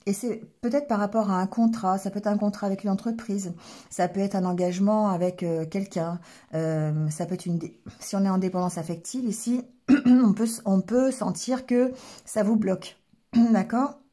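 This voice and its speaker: A woman with a hoarse, mellow, darker voice reads tarot cards for her viewers. She talks haltingly, full of fillers and restarts, and keeps clearing her throat and checking in with the listener. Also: medium pitch, fairly even intonation. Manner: hesitant, many fillers and restarts, checks in with "d'accord?". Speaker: tarot card reader. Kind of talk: casual tarot reading addressed to viewers.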